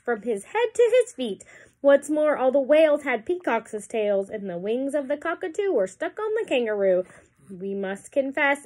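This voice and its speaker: Lady doing shrill fussy storybook birds, high and squawky. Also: darkish tone. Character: shrieking parrot and flock of fussy birds.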